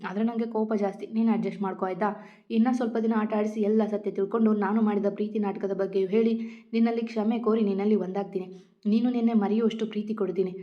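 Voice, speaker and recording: A playful young husband who dotes on his wife and teases her at every turn, read aloud by a woman. He speaks at a middling pitch, affectionate and teasing. The storybook recording sounds dull and lo-fi. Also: steady tone, quick pace, close to an everyday voice. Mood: doting. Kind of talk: storybook reading.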